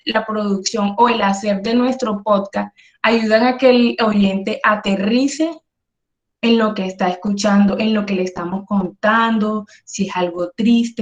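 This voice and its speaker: Energetic woman teaching, echoey room. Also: a little high. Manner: energetic, emphatic, asks "¿sí?" often. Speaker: workshop instructor. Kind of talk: online workshop lecture.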